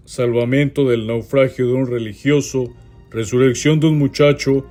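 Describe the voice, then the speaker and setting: A man with a Costa Rican accent reads a saint's life aloud in a steady, measured devotional manner. His voice is mellow and sits at a middle pitch. Soft music plays faintly behind him. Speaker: reader.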